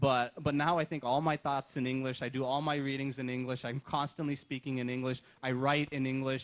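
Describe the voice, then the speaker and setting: Very clean with a silent background, the recording has a man with an American accent speaking at a medium pitch and fairly quick pace, in a monotone, flat intonation with hardly any pauses. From US, Afghan family, early childhood in Pakistan. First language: Pashto. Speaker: novelist. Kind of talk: panel discussion. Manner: halting, many fillers and repetitions.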